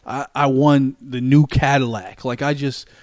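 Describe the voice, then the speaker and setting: A middle-aged man telling a story in casual chat, loud and animated, laughing often as he goes. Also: medium pitch, unhurried, no room sound, clean studio sound.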